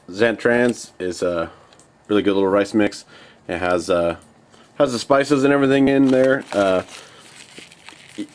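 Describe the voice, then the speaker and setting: Low-voiced man demoing camp cooking. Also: a little hiss or hum. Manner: relaxed, rambling, lots of fillers. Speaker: outdoor cooking demonstrator. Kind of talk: casual how-to demonstration. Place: outdoors at night, by a small camp stove.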